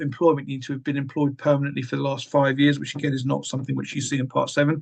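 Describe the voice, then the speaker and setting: With an English accent, a man speaks at a fairly high pitch. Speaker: housing law expert. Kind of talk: livestream Q&A. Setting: livestream on laptop. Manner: fast.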